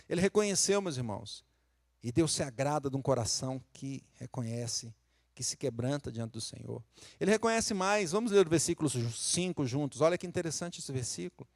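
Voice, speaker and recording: Preaching Brazilian pastor, dry close sound. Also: male voice, mid-range voice, lively intonation, brisk, vocal fry, no echo. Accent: Brazilian Portuguese, Minas Gerais. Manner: conversational preaching, rising to emphatic peaks. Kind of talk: sermon.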